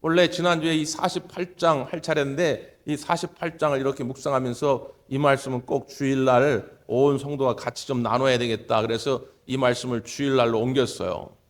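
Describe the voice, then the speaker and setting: A man preaching a sermon to his congregation, stressing points with repeated phrases and bursts of louder, higher speech. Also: flat delivery, brisk, hardly any pauses. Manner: emphatic preaching with repeated phrases and sudden rises in pitch and volume. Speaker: pastor. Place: church sanctuary.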